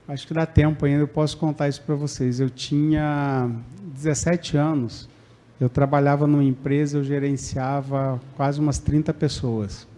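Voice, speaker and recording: A man's voice: a little high, warm tone. A man from Brazil giving a conversational public talk at a spiritist centre, acting out quoted lines and tagging sentences with "né?". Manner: conversational, acts out quoted lines, frequent "né?" tags. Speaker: spiritist lecturer. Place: spiritist centre lecture hall.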